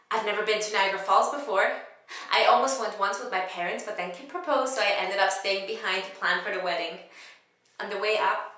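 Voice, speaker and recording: A woman's voice: medium pitch, sharp tone, lightly acted. A woman playing a chatty, manic runaway wife in a theatrical, rambling comedic stage monologue. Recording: echoey home room recording.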